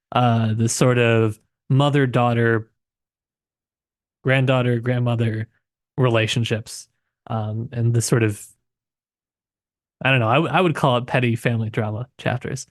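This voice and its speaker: Male podcast co-host, mid-pitched voice, thoughtful, tentative, conversational, dry close sound. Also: no echo. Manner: reflective, tentative, self-qualifying. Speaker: podcast co-host discussing literature. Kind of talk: casual literary discussion.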